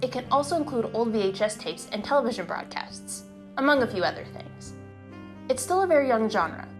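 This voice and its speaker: A woman hosting and narrating a scripted video essay in a conversational way, leaning into dramatic emphasis. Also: on the high side. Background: background music.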